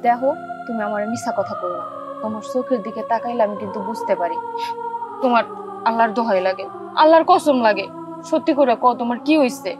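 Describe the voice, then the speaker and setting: A woman's voice: fairly high pitch, fast, over music, lightly acted. A woman playing a devout, consoling village wife. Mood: pleading. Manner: pleading, consoling. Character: devout caring village wife, middle-aged. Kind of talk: television drama acting.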